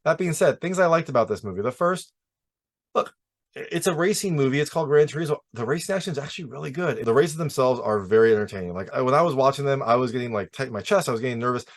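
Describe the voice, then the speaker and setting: A man's voice: medium pitch, lively intonation, fast talker. A man hosting a casual, opinionated film review, talking emphatically and introducing his points with repeated set phrases.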